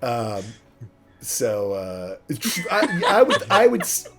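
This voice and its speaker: A man's voice: mid-range voice, huge pitch swings, takes it slowly, loud music behind the voice. A man who runs a tabletop game, talking casually with his players and rambling through plenty of fillers and self-deprecating asides. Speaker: game master. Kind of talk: casual cast chat about a tabletop game.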